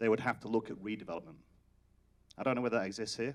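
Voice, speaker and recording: A man is speaking. He has an English accent. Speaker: public commenter. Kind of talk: public testimony. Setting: council public hearing.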